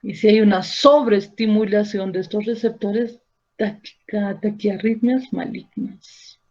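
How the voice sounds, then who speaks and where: Female lecturer, gravelly edge, keeps checking in with the class, muffled lo-fi sound. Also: mid-range voice. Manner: explains step by step, checks in with rhetorical tag questions and quizzes students. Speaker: medical lecturer. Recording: dull lo-fi recording.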